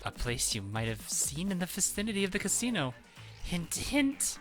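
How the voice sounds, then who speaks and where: A man's voice: high-pitched, sing-song, normal speed, a bit bright, faint music behind, pitched above the performer's own voice. A man voicing a mischievous, gleeful male bear mascot while reading game dialogue, sly and cackling. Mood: gleeful teasing.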